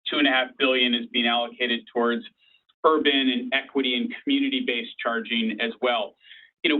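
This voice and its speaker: A man speaking as a company executive, giving an informal explanatory answer on an earnings call. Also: medium pitch. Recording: tinny narrow phone line.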